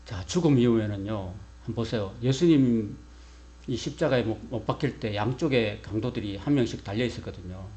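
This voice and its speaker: A man's voice: lowish voice, brisk, warm tone. A man preaching a sermon from the pulpit. He peppers the congregation with questions and answers them himself. A faint electrical hum runs under his voice. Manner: leads a call-and-response with the congregation. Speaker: pastor.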